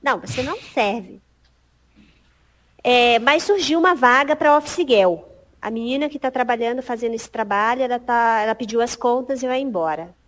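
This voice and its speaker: Guest: high-voiced middle-aged Piauí-accented woman, lively storyteller who mimics the people she quotes. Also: a little fast. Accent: Piauí Brazilian Portuguese. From Piauí, Brazil. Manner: animated, acts out quoted dialogue, laughs often. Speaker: podcast guest. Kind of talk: casual storytelling interview.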